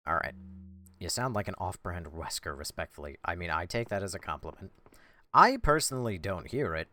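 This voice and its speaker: A man streaming a video game, talking in a dry, monotone way with casual swearing while answering chat. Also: low voice, a little hiss or hum. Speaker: gameplay streamer.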